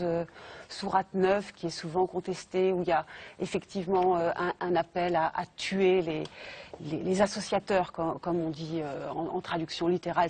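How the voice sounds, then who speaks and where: Breathy woman on a tv panel, asks long careful questions, lots of uhs. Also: fairly low pitch, a little mellow. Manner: searching, hesitant questions with many fillers. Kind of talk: televised studio debate.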